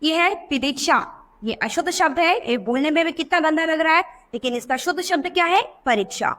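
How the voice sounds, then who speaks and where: A woman's voice: sits high, lively intonation, brisk, a bit bright. A woman teacher giving a grammar lesson to young schoolchildren, explaining patiently, repeating each word and asking the class questions.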